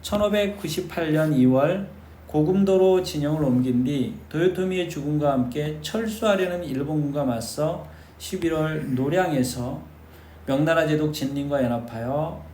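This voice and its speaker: A man's voice: fairly high pitch, darkish tone. A man giving an exam-prep history lecture, speaking emphatically to his students and asking them rhetorical questions. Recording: echoey room with faint noise.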